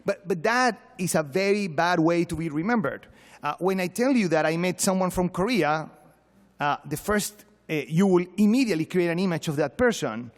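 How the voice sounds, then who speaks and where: Male Venezuelan professor, Spanish-accented English, slightly high pitch, emphatic and wry conference delivery, reverberant hall. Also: animated, moderate pace. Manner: emphatic, repeats words, rhetorical questions. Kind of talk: informal conference speech, humorous and exhortatory. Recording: echoey hall, long reverb.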